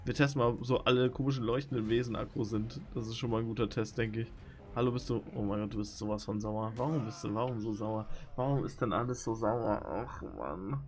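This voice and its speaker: A young man streaming a video game, talking to his viewers and reacting loudly to the action. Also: medium pitch, fairly quick. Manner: excitable, swings between shouting and muttering. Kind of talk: live gaming commentary.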